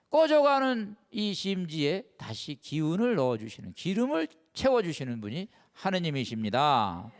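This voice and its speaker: Animated middle-aged priest in a hall. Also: male voice, high-pitched. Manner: animated, rhetorical questions, swings from soft to loud. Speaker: Catholic priest lecturer. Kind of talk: televised sermon lecture.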